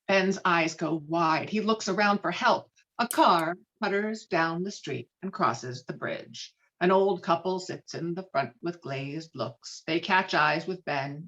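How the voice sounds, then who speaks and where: A woman's voice: lowish voice, fairly bright tone. A woman reading stage directions as the narrator of a dramatic script table read. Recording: dull, lo-fi call audio.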